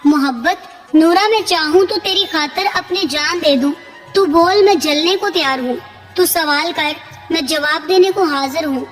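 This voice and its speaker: A woman's voice: sits high, faint music behind, close to an everyday voice. A woman voicing a possessive, menacing male jinn chieftain in a spoken story, sweet-talking or harsh by turns. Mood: tender. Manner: sweet-talking, turning to angry shouts.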